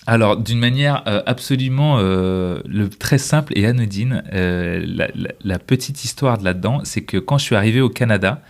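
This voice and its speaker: Casting: male interview guest, lowish pitch, anecdotal delivery with acted-out quotes. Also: moderate pace, few pauses. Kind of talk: conversational storytelling and advice.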